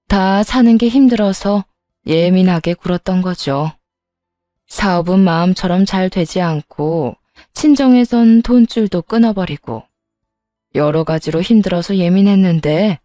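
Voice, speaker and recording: A woman's voice: medium pitch, dark tone, dry recording, clean studio sound, lightly acted. A woman doing a greedy scheming sister-in-law. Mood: wheedling. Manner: sugary then brazen and demanding.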